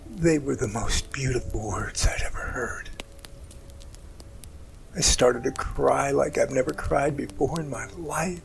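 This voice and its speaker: A man acting in an amateur audio drama as an emotional man haltingly recounting a rescue that overwhelmed him. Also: mid-range voice, vocal fry, a little hiss or hum. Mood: tearful, moved.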